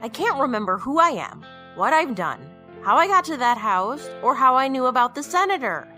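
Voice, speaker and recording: A woman's voice: high voice, very animated, normal speed, bright, forceful tone, faint music behind, heavily acted. An actress playing a frightened, frustrated woman with no memory in an audio drama. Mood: weary, frustrated.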